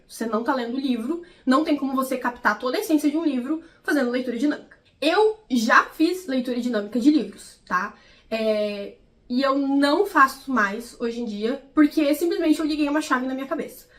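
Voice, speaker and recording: A young woman book vlogger chats casually about books in an explanatory style, often checking in with her viewers. Her voice is high with lively intonation, and she speaks fairly quickly.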